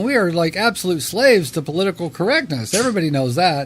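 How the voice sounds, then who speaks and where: Very fast speech with very wide pitch swings, in an American accent. Noticeable background noise sits behind it. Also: man. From Texas. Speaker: podcast co-host. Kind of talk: casual chat.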